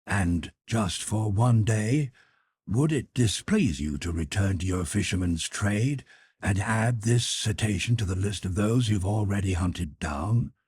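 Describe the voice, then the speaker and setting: A man voicing a courteous, commanding submarine captain with a formal, measured manner in an audiobook. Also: lowish voice, animated, a little mellow, breathy edge, no echo, studio quality, full character voice. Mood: coolly inviting.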